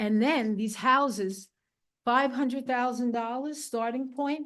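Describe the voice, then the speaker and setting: The voice has a New York accent and ordinary pitch variation. The background is quiet. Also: woman. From Brooklyn, New York. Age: 70s. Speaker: resident speaking at public hearing. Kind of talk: public comment at town meeting. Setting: town hall meeting with audience. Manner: loud.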